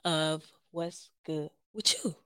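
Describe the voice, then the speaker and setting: A young adult woman co-hosting a casual podcast, her voice still a little hoarse while it comes back, relaxed and quick to laugh. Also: deep voice, dry recording, clean studio sound. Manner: relaxed, laughs easily, acts out quoted talk. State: recovering from lost voice, slightly hoarse. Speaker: podcast co-host. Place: Los Angeles.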